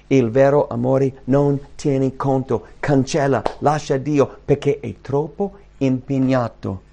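A man preaching a sermon and reading scripture aloud, swinging between loud, high emphatic bursts and quiet, low asides. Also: fairly even intonation, slow, vocal fry, slight background noise. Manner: reads scripture aloud to the congregation.

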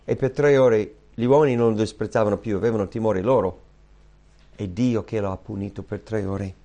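A male pastor delivers a sermon full of impassioned, repeated rhetorical questions. His voice swings between loud, high outbursts and hushed, low tones.

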